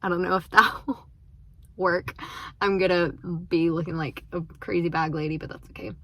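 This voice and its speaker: A woman's voice: on the low side, fairly even intonation, normal speed, bright, forceful tone. A young woman, vlogging casually as a first-year teacher from her car and her classroom, chatty and rambling with many fillers. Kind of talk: casual vlog chat.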